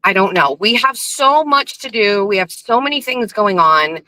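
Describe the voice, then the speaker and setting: Behind the wheel, a host talks to a phone in a cradle for her casual morning show, chatty and laughing with plenty of tangents. Her medium-pitched voice is pushed and bright with lively intonation and a moderate pace, slightly scratchy from just waking up. There's no room sound.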